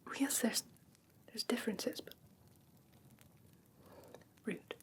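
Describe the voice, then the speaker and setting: A woman playing a curious, haughty fae creature in an ASMR fantasy roleplay, whispering softly in a hesitant, musing, gently condescending way. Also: slow pace, lightly acted. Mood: mildly offended. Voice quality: soft breathy whisper.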